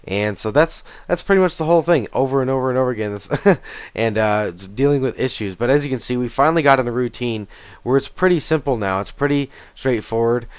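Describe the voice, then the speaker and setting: A man in his thirties with a raspy voice after a concert, casually talking through gameplay footage on a headset in a small home room. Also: medium pitch, fairly quick, no echo. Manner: easygoing, rambling with fillers and restarts. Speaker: gaming channel host. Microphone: gaming headset.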